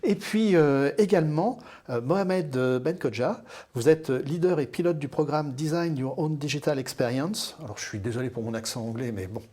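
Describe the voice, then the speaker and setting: A man's voice: on the high side, lively intonation, moderate pace, mellow. A man moderating a live panel discussion, introducing the guests in a friendly, chatty way with frequent hesitations.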